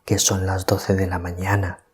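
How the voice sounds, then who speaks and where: A priest from giving a calm, deliberate gospel reflection at night, keeping his voice down so as not to wake anyone. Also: low voice, slight background noise. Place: small hermitage at night.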